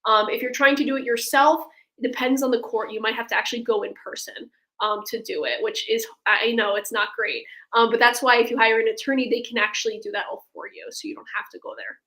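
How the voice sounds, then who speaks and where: Female legal expert, higher voice, conversational, walks listeners through procedures step by step. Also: steady tone, fast, pushed and bright, low-quality recording. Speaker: immigration attorney, guest expert. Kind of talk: explaining legal steps in a webinar Q&A.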